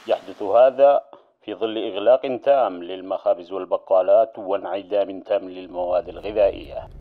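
An actor playing a radio news announcer reading a formal bulletin in a measured voice. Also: male voice, lowish voice, warm tone, slight background noise, lightly acted. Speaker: news reader. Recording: dull radio broadcast sound.

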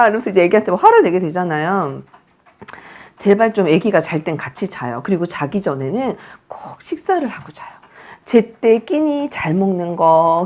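A woman's voice: mid-range voice, a little mellow. A middle-aged woman counseling new mothers in a chatty, teasing, scolding way. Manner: chatty, scolding-teasing, acts out moms' thoughts. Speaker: breastfeeding counselor. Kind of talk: advice talk to mothers.

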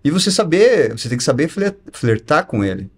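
A man's voice: fairly high pitch, big pitch swings, a little fast, husky. A man chatting as a podcast guest, explaining things with everyday comparisons and checking that he is understood. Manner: explains with homespun comparisons, keeps asking "entendeu?". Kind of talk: casual podcast chat.

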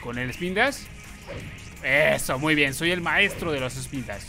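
Excitable high-voiced gaming YouTuber man. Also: a little slow, over music. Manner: excitable, loud exclamations and playful yelps. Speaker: YouTube gamer host. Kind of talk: gameplay commentary.

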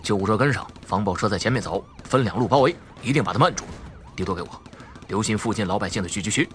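A man acting a decisive police captain in an audiobook, giving brisk, commanding orders. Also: lowish voice, lively intonation, a little hiss or hum, lightly acted. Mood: urgent, commanding.

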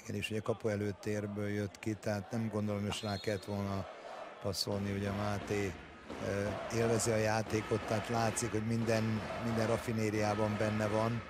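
A man's voice: lowish voice, monotone. A man analysing a handball match as co-commentator, explaining in hesitant phrases. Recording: very loud arena noise behind commentary.

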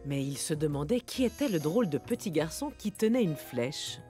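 A woman's voice: low voice, sing-song, normal speed, mellow, faint music behind. A woman narrator telling a scripted story for small children in a storytelling manner.

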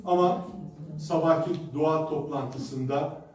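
A male pastor preaches a sermon at a pulpit microphone, telling stories conversationally with hesitant fillers; his voice is on the high side and slow. The recording is distant in an echoey hall, with crowd and other background noise.

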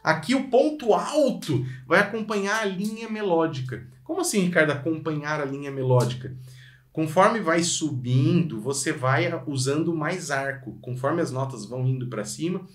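A man's voice: a little high, moderate pace, echoey room, soft background music. A man with a Brazilian Portuguese accent, giving an online violin lesson, speaking straight to the viewer with energy. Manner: energetic, addresses viewer directly, sings phrases to demonstrate. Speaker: violin teacher.

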